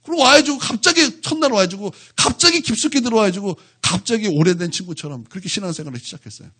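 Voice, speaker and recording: A man preaching a sermon in church, his voice husky and set fairly high for a man. He swings his pitch widely as he fires question after question at the congregation. The delivery is lively and conversational rather than solemn. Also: fast talker. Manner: animated, keeps asking the congregation questions. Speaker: pastor.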